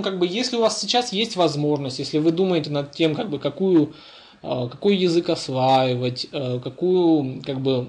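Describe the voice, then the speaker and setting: Young guy doing a casual screencast, kinda high voice, wordy and hesitant, laptop built-in mic. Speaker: programming tutor and app developer. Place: indoors at a laptop. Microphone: built-in laptop microphone.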